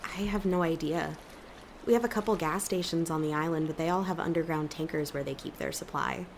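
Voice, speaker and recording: A woman's voice: deep voice, fairly quick. A woman playing an anxious, practical young island woman in an audio drama, speaking bluntly and with worry. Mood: skeptical. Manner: blunt, worried. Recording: water and ambient noise behind.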